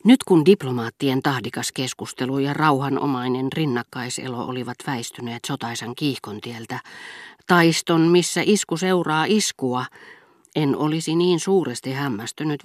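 A woman narrating a literary audiobook in a measured, even-toned way. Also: deep voice, no room sound, clean studio sound. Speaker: audiobook reader.

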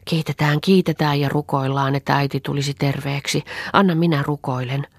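A woman voicing an excited little peasant girl who pleads breathlessly. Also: low voice, dry recording, clean studio sound. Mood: joyful pleading.

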